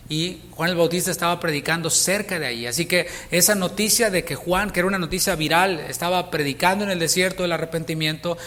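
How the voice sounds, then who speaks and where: Mexican pastor, conversational sermon delivery, rhetorical questions, echoing sanctuary. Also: male voice, on the high side, a bit bright. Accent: Mexican Spanish. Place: church sanctuary.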